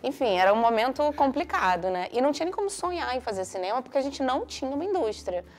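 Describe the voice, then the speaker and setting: A woman's voice: high-pitched, sing-song, quick pace. A woman in her forties, an actress guest on a panel, talking reflectively with many fillers. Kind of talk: casual panel talk.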